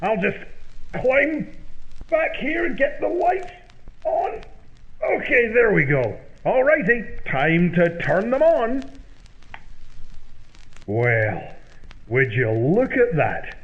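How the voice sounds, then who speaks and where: A man acts out an excitable, stubborn grumbler from an old-time radio comedy double act. His voice is high and swings widely as he blusters in old-fashioned phrases. The sound is slightly muffled. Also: slow pace, pauses often, full character voice. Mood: grumbling.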